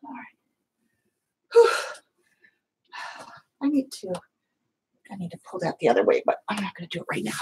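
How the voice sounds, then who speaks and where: A middle-aged woman hosting a live watercolor painting stream, chatting with viewers between steps in a loud, halting way full of fillers. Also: lowish voice, wildly swooping pitch, a little hiss or hum. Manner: loud voice by her own account, halting with fillers and restarts. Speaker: watercolor livestream host.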